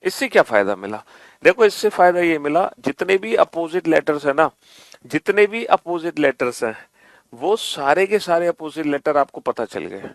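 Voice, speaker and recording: A male teacher with a high voice runs an online exam-prep class, chanting memory tricks and repeating instructions. He playfully scolds the students as he drills them. The sound is dry and close. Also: sing-song, moderate pace, creaky, no room sound.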